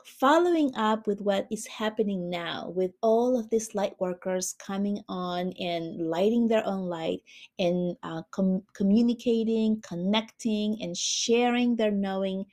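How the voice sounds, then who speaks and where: A woman from Chile hosting a spiritual podcast, talking in a soft, reverent way and drawing out her words. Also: medium pitch, measured pace. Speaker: podcast host, spiritual healer.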